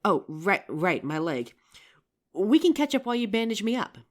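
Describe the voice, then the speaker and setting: A woman playing an injured young survivor of a zombie apocalypse in a roleplay audio drama, with halting, emotive delivery. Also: medium pitch, sing-song, natural voice. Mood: amazed, relieved.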